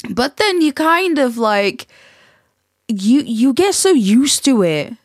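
A woman's voice: high-pitched, sing-song, slow pace, no echo, studio quality. A woman from Portugal with a Portuguese accent and a slight Yorkshire twang, hosting a casual solo podcast in a chatty, rambling way with many fillers and restarts. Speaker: podcast host.

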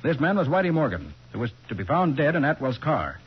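A sharp, confident American detective in an old radio crime drama. He talks briskly and assertively with animated swings of pitch. The recording is dull and dated. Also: breathy edge, heavily acted. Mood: confident, accusing. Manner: assertive, explanatory, accusing.

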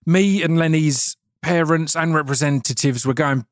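A man's voice: fairly high pitch, moderate pace, dry recording, studio quality. A middle-aged man with an Essex accent hosting a casual podcast, chatty and informal, often restarting his words. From Essex, England. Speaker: podcast host.

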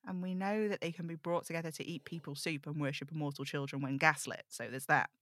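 Voicing a fretful young amateur occult investigator at an audio drama table read, a woman rambles fast and chattily, cutting herself off as she confides in listeners with wry resignation. Her low-sitting voice is fairly bright with fairly even intonation, recorded dry in a clean studio.

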